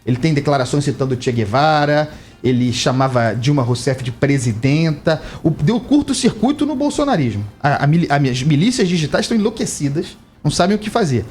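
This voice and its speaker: A Brazilian man delivering live radio commentary in a fairly high voice. He speaks with emphatic indignation, and his voice jumps up on key points. Faint music plays under him. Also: brisk. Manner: emphatic, indignant, animated pitch rises. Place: radio studio.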